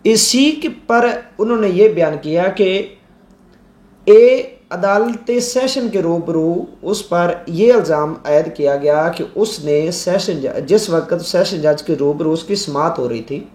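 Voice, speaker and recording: A man with a Pakistani accent, lecturing on law slowly and deliberately, reading English legal text aloud and then explaining each point in his own words. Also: sits high, a little mellow, echoey room.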